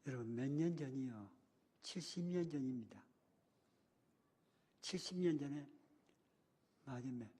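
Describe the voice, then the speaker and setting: A man's voice: medium pitch, animated, unhurried, pauses often, warm tone, breathy edge. An older man preaching a sermon, telling a childhood story and acting out the cries and words of the people in it. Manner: dramatic retelling, voicing childhood cries and a teacher's words. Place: church. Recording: long reverb of a church hall.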